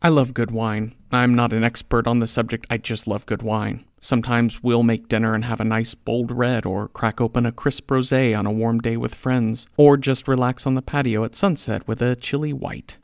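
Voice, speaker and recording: A man's voice: mid-range voice, steady tone, normal speed, gravelly, no room sound, clean studio sound. A man hosting a podcast, reading a scripted sponsor message in a casual, chatty, conversational way.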